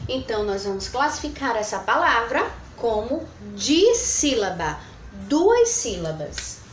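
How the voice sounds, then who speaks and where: A woman teaching a recorded review lesson to children, counting syllables slowly and using sweet diminutives. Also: a little high, sing-song. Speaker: primary school teacher. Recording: echoey room, faint background noise.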